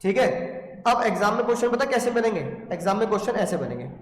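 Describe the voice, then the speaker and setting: A man with an Indian accent teaching a live commerce class, quizzing students and having them repeat key words loudly. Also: high voice, lively intonation, fast talker. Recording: echoey classroom with long reverb.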